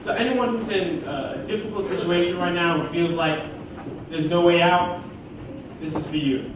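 A man's high voice at a moderate pace, with ordinary pitch variation, long and frequent pauses, audible room echo and noticeable background noise. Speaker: spoken word poet. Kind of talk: spoken word poetry performance with religious content. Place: church.

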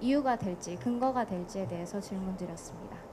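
The intonation is lively, and background noise is noticeable. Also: woman. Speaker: university student; audience member. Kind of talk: audience question. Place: hall. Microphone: handheld.

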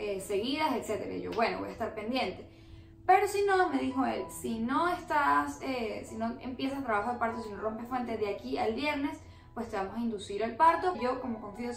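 Audible room echo and light background noise surround a woman who speaks at a moderate pace. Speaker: new mother vlogger. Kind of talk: casual vlog chat, storytelling. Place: home room. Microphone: camera far.

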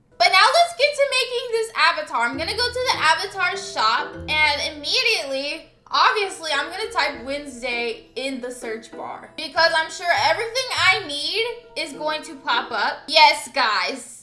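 A woman's raised, projected voice at a moderate pace with hardly any pauses and big swings in loudness, amid audible room echo and faint background music. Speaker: gaming youtuber. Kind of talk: casual gameplay commentary. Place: home room. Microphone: headset.

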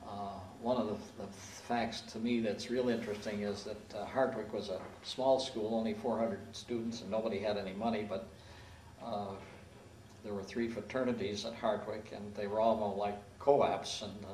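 Against light background noise and audible room echo, a man with a fairly low pitch talks at a moderate pace in monotone, flat intonation, with long, frequent pauses. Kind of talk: interview answer. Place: office.

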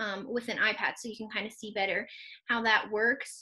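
At a fairly quick pace, a woman speaks in a bright, sharp tone over a quiet background. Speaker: art teacher. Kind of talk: tutorial. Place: home room. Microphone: webcam.

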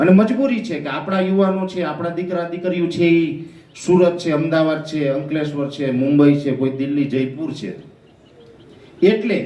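Noticeable background noise and audible room echo surround a man whose fairly high pitch moves with ordinary variation. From Gujarat, Saurashtra (Junagadh district, Gir). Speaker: weather forecaster. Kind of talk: public speech to farmers.

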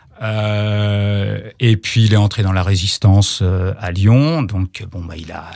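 Against a quiet background, the speech moves at a very slow pace with ordinary pitch variation and big swings in loudness. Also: man, fairly low pitch for a man. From Paris, France. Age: 60s. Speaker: author and former sports journalist; former sports journalist. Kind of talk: radio interview. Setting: radio studio. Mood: calm, reflective family memories. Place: studio. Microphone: studio mic.

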